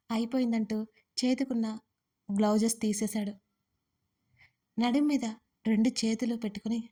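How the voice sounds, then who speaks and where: Female audiobook storyteller, gentle even reading, warm mellow timbre, slightly high. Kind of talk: audiobook narration.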